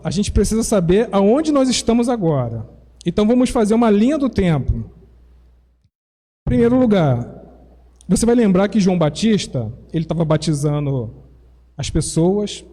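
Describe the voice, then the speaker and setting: A Brazilian pastor preaches in a church, explaining each point patiently like a teacher. His voice sits high but sounds mellow. A long reverb from the church hall trails behind his words. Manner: explanatory, teacherly, with self-corrections. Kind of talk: sermon.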